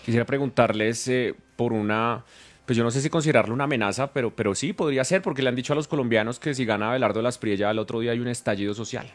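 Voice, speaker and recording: Male interviewer, fast, challenging. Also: medium pitch. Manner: challenging, quick. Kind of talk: news interview.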